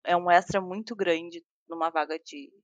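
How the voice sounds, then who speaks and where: A woman, a software engineer talking casually as a guest in an interview, with many restarts and fillers. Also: on the low side, steady tone, moderate pace, no room sound, lo-fi sound. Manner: chatty, frequent restarts and fillers, laughs while talking.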